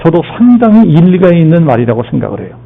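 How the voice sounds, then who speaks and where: A man's voice: a little high, big pitch swings, quick pace, gravelly, narrow, tinny audio. A male pastor preaching a sermon, repeating key phrases, asking and answering his own questions, and leading the congregation through the reading. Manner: leads congregation in call-and-response and Bible lookup. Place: church sanctuary.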